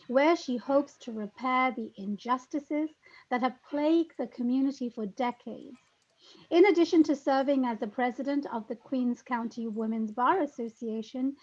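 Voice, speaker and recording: A woman hosting an online meet-and-greet, reading an introduction and asking questions with effusive enthusiasm over a video call. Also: sits high. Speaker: host. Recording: muffled lo-fi audio.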